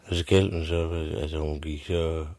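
A man's voice: very deep voice, fairly even intonation, a little mellow, no room sound. A Danish man retelling a fairy tale as a rambling, crude bedtime story, full of swearing and restarts.

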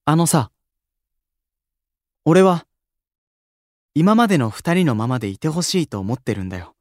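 Sensitive young male idol: modest, polite, soft delivery with wide-swinging intonation, dry audio drama sound. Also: a little high, big pitch swings, normal speed, no room sound. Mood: sincere, tender. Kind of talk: anime-style audio drama acting.

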